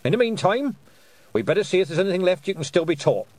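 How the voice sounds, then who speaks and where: A man's voice: high-pitched, very animated, fast, a little mellow, no echo, pitched above the performer's own voice. A man playing a stern old witch. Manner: clipped, commanding. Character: stern thin old woman witch, proud and blunt.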